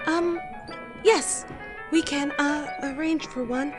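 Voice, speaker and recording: A high-pitched, fussy embassy official acted by a woman in an audio drama. She is nervous and apologetic, stammering and hesitating through her sentences. Music sits behind her. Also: slow pace. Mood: flustered, apologetic.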